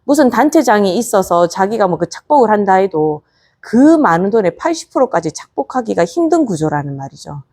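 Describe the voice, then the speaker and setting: Brief: female Buddhist nun teacher, mid-pitched voice, easy conversational lecture full of rhetorical questions. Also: darkish tone. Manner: coaxing rhetorical questions to the audience.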